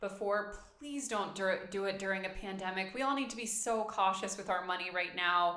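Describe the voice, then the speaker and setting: Noticeable background noise and audible room echo surround a woman's medium-pitched voice. She speaks at a moderate pace with ordinary pitch variation. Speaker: personal finance podcast host. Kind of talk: casual podcast monologue answering listener questions.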